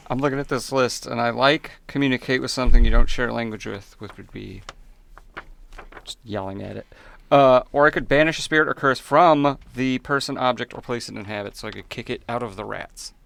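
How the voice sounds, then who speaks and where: A man's voice: medium pitch, fairly quick, creaky, fairly bright tone, dry recording. A man talking casually as a player in a tabletop roleplaying game.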